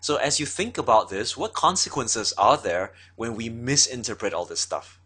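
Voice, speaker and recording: A man's voice: mid-range voice, expressive, normal speed, pushed and bright, slightly rough. A man giving an explanatory lecture as an instructor, talking steadily with frequent fillers.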